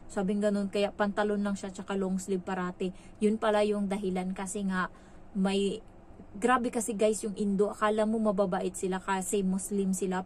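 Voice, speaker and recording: A woman's voice: medium pitch, a little mellow, slight background noise. A woman from the Philippines, a domestic worker abroad, telling a story to her channel in a chatty, gossipy way, full of filler words. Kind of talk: casual vlog storytelling.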